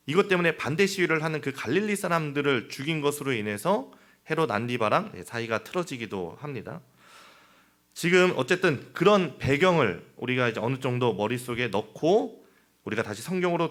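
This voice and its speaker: A man's voice: medium pitch, fairly bright tone. A man preaching a midweek sermon, talking in a conversational way with rhetorical questions and small fillers. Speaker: pastor.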